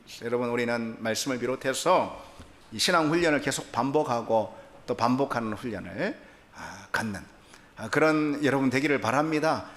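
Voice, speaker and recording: A male pastor delivering a Sunday sermon, speaking animatedly to the congregation, often chuckling and acting out the quoted lines. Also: mid-range voice. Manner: animated, acts out God's and Sarah's lines in quoted voices; chuckles often while preaching.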